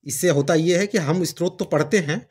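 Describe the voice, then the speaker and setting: Husky-voiced man reviewing a book. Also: a little high, a little fast. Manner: explanatory, conversational, reads passages aloud. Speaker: channel host reviewing books. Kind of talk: casual book review talk.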